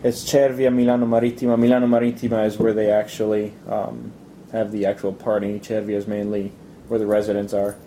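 A young man answering interview questions in a casual, halting way, with many fillers and restarts. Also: fairly low pitch, flat delivery, dark tone, a little hiss or hum, poor audio.

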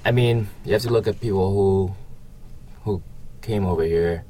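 A man from Vietnam, answering interview questions casually and haltingly, often hedging with "you know" and "like". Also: low voice, dark tone, a little hiss or hum.

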